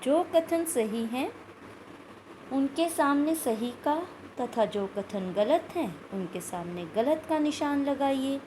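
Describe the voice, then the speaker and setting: A woman's voice: sits high, lively intonation, takes it slowly, noisy background. A woman teaching a recorded school Hindi lesson, explaining step by step and repeating words and sounds aloud. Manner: asks questions of pupils, adds "ठीक है" often.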